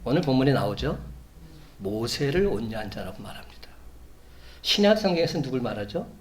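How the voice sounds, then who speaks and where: 설교하는 목사, 보통 높이의 남성 목소리. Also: male voice, medium pitch, big pitch swings, a little hiss or hum. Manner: measured preaching with rising emphatic peaks. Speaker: pastor. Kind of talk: sermon. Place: church sanctuary.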